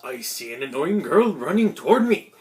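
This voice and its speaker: Her low-pitched voice swings widely in pitch and has a slightly mellow quality, moving at a moderate pace over soft background music. She is a video creator giving an amateur read-aloud of a visual novel, with asides, stumbled lines and self-corrections.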